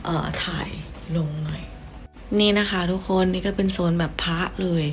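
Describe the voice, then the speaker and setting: A woman's voice: lowish voice, fairly even intonation, normal speed. A young woman from Thailand chatting casually as she films a tour of her small condo on a handheld phone, often dropping to a half-whisper. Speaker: vlogger. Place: small condo apartment, indoors. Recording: phone recording with room noise.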